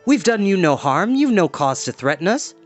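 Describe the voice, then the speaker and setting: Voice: medium pitch, big pitch swings, normal speed, pitched above the performer's own voice, natural voice. Reader doing scared young hero guy, urgent, voice jumping around, bit of music. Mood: alarmed. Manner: urgent, crying out. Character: frightened, angry young male hero.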